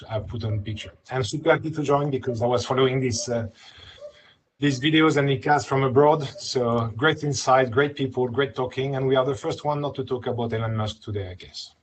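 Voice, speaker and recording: Halting French-accented man. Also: mid-range voice, fairly even intonation, a crowd in the background, poor audio. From France. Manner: halting, searching for words. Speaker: guest, company founder. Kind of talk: casual panel chat.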